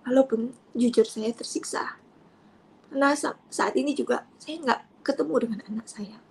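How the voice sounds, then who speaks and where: Middle-aged woman, husky higher voice, emotional testimony that sinks to whispers. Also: normal speed. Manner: emotional, often drops to a soft whisper; speaks in short plain phrases with fillers. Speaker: testimony guest. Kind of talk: personal conversion testimony.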